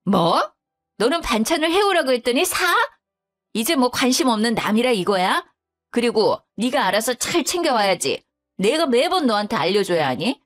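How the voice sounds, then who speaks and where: A woman's voice: fairly high pitch, very animated, moderate pace, faint music behind. A woman voicing a grumbling, self-pitying widowed mother-in-law who speaks curtly. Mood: indignant. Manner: curt, self-pitying, sighing.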